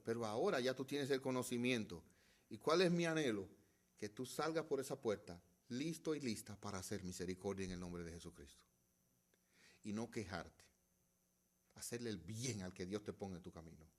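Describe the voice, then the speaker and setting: A middle-aged male pastor preaches a sermon, swinging between loud, emphatic passages and hushed ones while asking the congregation rhetorical questions. His voice is on the low side, briskly paced, with lively intonation.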